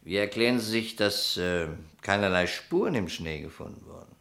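Low male voice, police detective, formal, insistent, probing, radio crime drama. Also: moderate pace, a bit bright. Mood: pressing. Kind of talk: German radio crime play dialogue.

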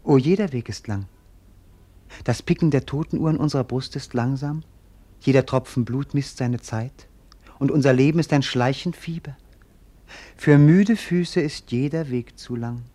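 An actor playing a bored, melancholy young prince in a radio play, declaiming lyrically. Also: male voice, mid-range voice, normal speed, mellow, lightly acted. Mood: world-weary. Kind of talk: theatrical German radio play acting.

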